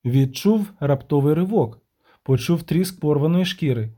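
Animated male audiobook narrator. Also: fairly high pitch, unhurried. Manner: expressive, animated storytelling. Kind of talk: scripted fantasy audiobook narration.

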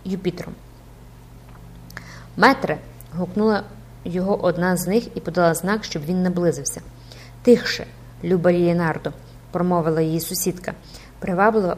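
A woman narrating a classic novel as an audiobook, expressive and dramatic. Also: on the low side.

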